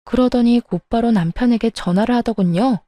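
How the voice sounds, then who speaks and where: Brief: woman narrator, sardonic storytelling, mellow tone, dry close recording. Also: a little high, expressive, normal speed, no room sound. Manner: sardonic, matter-of-fact. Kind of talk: first-person storytelling narration.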